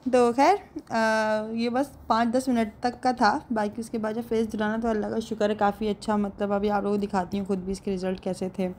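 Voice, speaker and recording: A woman's voice: mid-range voice, little pitch movement, brisk, few pauses, a little mellow, a little hiss or hum. A young woman, narrating a casual vlog voice-over in a chatty, rambling way and laughing often. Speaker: vlogger.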